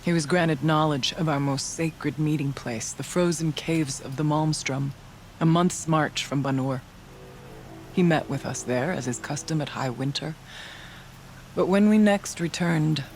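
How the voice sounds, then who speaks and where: An actor playing a solemn, devout tribal shaman in a video game, speaking in measured, formal, reverent phrases. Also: fairly high pitch, a little hiss or hum. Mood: grave, measured. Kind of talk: dramatic video game cutscene acting.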